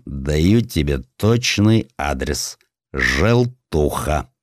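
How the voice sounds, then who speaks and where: A man voicing a rough, boozy male gold prospector with a hoarse voice and rustic, swaggering talk for an audiobook. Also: rumbling low, expressive, drawn-out words, no room sound, studio quality, pitched below the performer's own voice, heavily acted. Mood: secretive. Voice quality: hoarse, wheezy.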